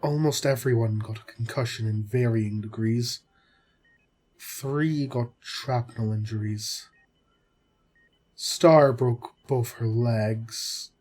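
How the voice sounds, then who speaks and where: A man acting as a caring, exasperated centuries-old doctor in an audio roleplay, with a husky voice and measured bedside manner. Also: medium pitch, a little mellow. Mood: grave, measured. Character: long-lived vampire doctor, male, caring yet exasperated. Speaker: voice actor. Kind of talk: audio roleplay drama, spoken to the listener.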